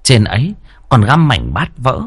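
A man tells a horror story with a vivid, expressive delivery. His husky voice swings widely in pitch and sounds close and dry. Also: unhurried, no room sound. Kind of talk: dramatic horror story narration.

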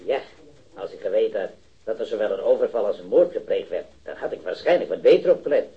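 A man's voice: fairly low pitch, lively intonation, highs cut off. A stammering eyewitness in his thirties. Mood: unsure, rambling. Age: 30s. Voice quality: halting, stammering, repeats words. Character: hesitant male metal worker, early thirties, eager eyewitness. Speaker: eyewitness to a robbery. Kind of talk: 1970s radio drama acting.

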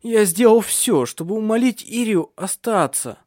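A man reading a story aloud, voicing a clumsy, exasperated young nobleman who complains loudly. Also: high voice, expressive, brisk, no echo, studio quality, voice pushed up.

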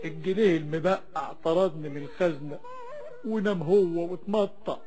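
A man's voice: a little high, moderate pace, mellow, slight background noise, close to an everyday voice. A man with an Egyptian accent playing a genial, long-suffering banknote that narrates a radio drama like a florid cafe storyteller. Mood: wry, resigned. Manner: Arabic cafe storyteller, florid greetings to listeners.

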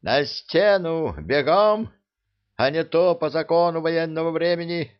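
A man's voice: on the high side, huge pitch swings, very slow, vocal fry, muffled recording, voice pushed up, exaggerated voice. A man reading an audiobook voices an irritable, bossy male genie vizier who barks and scolds. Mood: scolding. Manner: barking, scolding.

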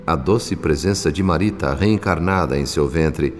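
Radio drama narrator: formal, solemn storyteller, deep register, reverberant with soft music behind. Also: male voice, moderate pace. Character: solemn male spirit narrator. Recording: long reverb, music underneath.

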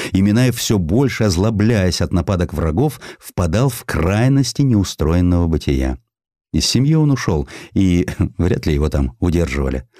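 A man narrating a historical sketch in an expressive scripted style, with dramatic, deliberate phrasing. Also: sits low, dry recording, studio quality. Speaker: audiobook narrator.

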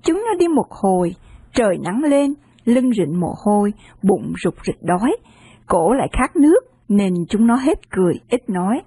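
A woman narrating an audiobook novel in an expressive reading voice. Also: medium pitch, normal speed, breathy edge, dry recording.

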